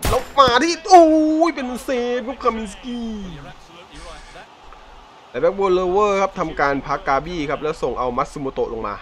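A young man commenting on a football video game as he plays, with loud outbursts, laughter and swearing. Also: high-pitched, moderate pace. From Thailand. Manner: swings from calm play-by-play to loud shouting and laughing, swears often. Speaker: gaming YouTuber. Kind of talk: excited live game commentary. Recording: game music playing behind the voice. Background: clear game music.

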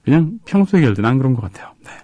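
Here a man co-hosting a radio program talks casually, reading listeners' comments quietly and hesitantly with pauses. Medium in pitch and very animated, he's recorded lo-fi with no echo.

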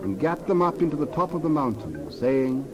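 A man's voice: fairly high pitch, very animated, normal speed, crowd noise. A man narrating a dramatized Bible reading in a solemn, formal, scripted manner. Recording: dull sound, faint noise, birdsong behind.

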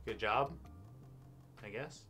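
An American man in his thirties narrating scripted comic history with wry, deadpan sarcasm. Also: lowish voice, slow pace, music in the background. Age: 30s. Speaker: host. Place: indoor studio with backdrop.

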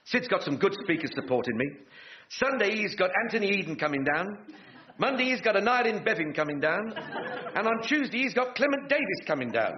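A man's voice: high voice, big pitch swings, fairly quick. An actor playing a pompous, deluded Englishman with political dreams, in a colloquial, oratorical manner for a radio sitcom. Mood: confident scheming. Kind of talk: radio sitcom acting before a live audience. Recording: dull, noisy radio sitcom recording with clicks.

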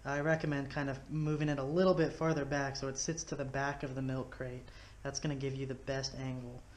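A Texas man who hosts fishing videos builds something by hand in his living room at home, explaining each step casually into a head-mounted action camera. His medium-pitched voice moves fairly quickly with little pitch movement.

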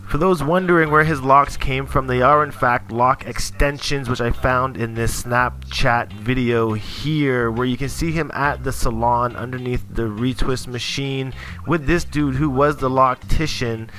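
A man giving scripted voice-over narration in a measured, explanatory way. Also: medium pitch, steady tone, pushed and bright. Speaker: clip narrator.

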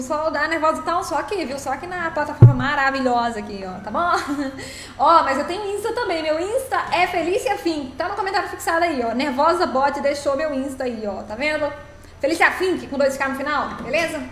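A woman's voice: high-pitched, a bit bright, slight background noise. A woman, casually chatting on a live game stream, greeting viewers by name and laughing often. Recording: roomy echo.

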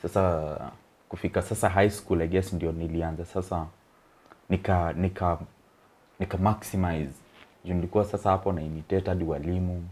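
A young Kenyan man with a very low, deep voice and a Kenyan accent. He is a comedian guest on an interview couch, and he tells his story in a loose, rambling way, chuckling and dropping in slang. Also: steady tone, fairly quick, a little mellow. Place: TV-style studio set with sofas, indoors.

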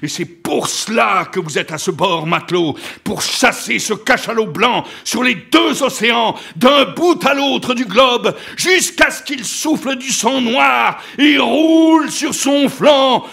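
A man reading aloud and voicing an obsessed, wrathful old whaling captain who roars and shouts oaths. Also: on the high side, sing-song, slow pace, creaky, husky, full character voice. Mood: furious.

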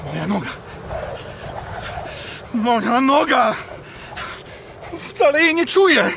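An actor playing an injured, frostbitten mountaineer in a radio drama, whimpering, pleading and half-crazed. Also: male voice, very high voice, slow pace, vocal fry, noisy background, exaggerated voice. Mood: anguished. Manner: whimpering, pleading, wildly excitable.

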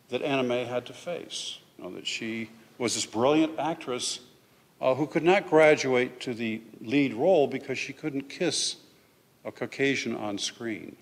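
An older man speaks at a lectern microphone in a large hall with a long reverb trailing his words. His voice sits at an ordinary middle pitch, and he lectures in a loose, conversational way, stopping often for "uh" and "okay". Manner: chatty, with frequent "uh" and "okay". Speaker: history professor giving a lecture. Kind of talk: informal public lecture.

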